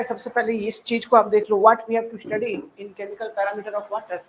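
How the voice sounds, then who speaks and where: A man's voice: sits high, fairly bright tone, slight background noise, rough recording. A man teaching a live online exam-prep class on his own mic. He repeats himself and keeps checking in with his listeners. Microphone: own mic in a live online session.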